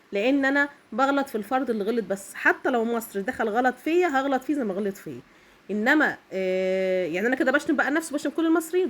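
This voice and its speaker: An Egyptian woman vlogger with a cold, talking straight to her viewers in an emphatic casual monologue and often pausing to check in with them. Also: on the high side. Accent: Egyptian Arabic. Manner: emphatic, keeps checking in with "okay?". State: has a cold, coughing. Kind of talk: casual direct-to-camera monologue.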